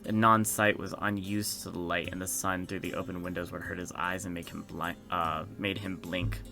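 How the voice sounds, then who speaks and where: A man's voice: deep voice, little pitch movement, normal speed, creaky. A man in his twenties reading visual novel narration aloud as a let's play host, breaking into casual, sweary reactions. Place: small room indoors with gaming setup. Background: game music.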